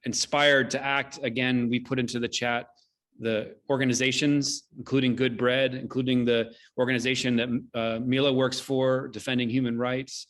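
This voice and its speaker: Solemn man hosting, medium-pitched voice. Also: little pitch movement, a bit bright. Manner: measured, solemn, rhetorical repetition. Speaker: host, theater company director. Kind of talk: closing remarks at an online event. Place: indoors, online video call.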